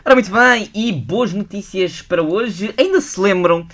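A man's voice: sits high, normal speed, fairly bright tone. A young man from Portugal, hosting a morning radio show with chatty banter in a studio. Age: young adult. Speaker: radio host.

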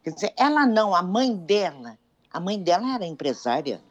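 A woman's voice: on the low side, big pitch swings, normal speed, highs cut off. A woman co-hosting a radio show, telling stories about a singer with enthusiasm. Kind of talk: casual radio chat.

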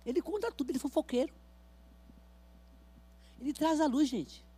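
High-voiced woman preaching fervently. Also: moderate pace. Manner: fervent, emphatic, shifting between quiet storytelling and loud exhortation. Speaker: missionary preacher. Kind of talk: sermon. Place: church service.

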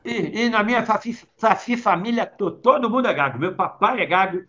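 A man's voice: sits high, brisk, pushed and bright, pitched above the performer's own voice. A Brazilian comedian voicing a bumbling, childish man with a heavy stutter. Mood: goofy. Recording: dull lo-fi sound.

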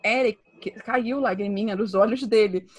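This Brazilian-accented woman speaks at a medium pitch and takes her time. As a podcast co-host in a relaxed chat, she's a lively storyteller who laughs frequently.

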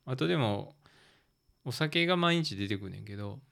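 A man's voice: mid-range voice, animated, normal speed, gravelly, a bit bright. A man with a Kansai accent telling stories in casual chat, a little hesitant and trailing off as he goes. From Kansai, Japan. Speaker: guest recounting a mountain work stay.

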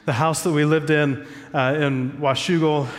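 Male pastor with a cold, kinda stuffy, chatty and joking from the stage, highish voice, big hall echo. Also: steady tone, measured pace. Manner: conversational, self-joking. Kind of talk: sermon. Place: church stage.

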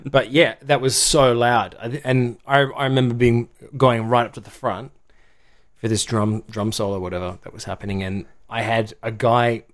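A man co-hosting a podcast, telling animated stories in casual chat and chuckling along. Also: mid-range voice, normal speed.

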